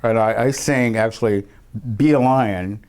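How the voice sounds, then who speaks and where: A man with a fairly low voice talks casually as an interview guest. He rambles a little and laughs often while telling stories. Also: measured pace, darkish tone, slight background noise.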